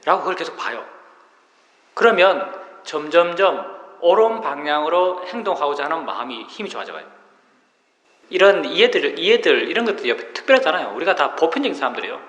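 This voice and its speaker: Monk-teacher, middle-aged man; animated, bright delivery in a roomy hall with long reverb. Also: on the high side, brisk. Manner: patient explaining, rhetorical questions. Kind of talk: dharma talk.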